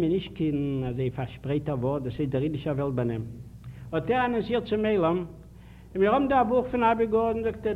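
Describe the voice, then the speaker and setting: Man lecturing on a tinny old tape. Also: high voice. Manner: animated, emphatic, rhetorical questions to the audience. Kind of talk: public lecture with anecdotes. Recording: tinny archival 1950s lecture tape with faint hiss.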